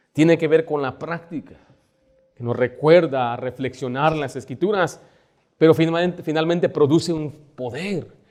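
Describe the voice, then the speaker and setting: A middle-aged man preaching a sermon in a church as pastor, quoting scripture and dropping to a near whisper. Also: mid-range voice. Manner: preaching with sudden loud-soft shifts, dropping to near whisper; quotes scripture and acts out worried voices.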